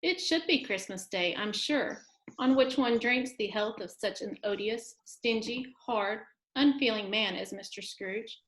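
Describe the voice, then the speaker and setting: A woman playing a proud, sharp-tongued wife and mother in a dramatic storybook reading. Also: a little high, measured pace. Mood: indignant. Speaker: amateur reader, library staff. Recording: echoey room.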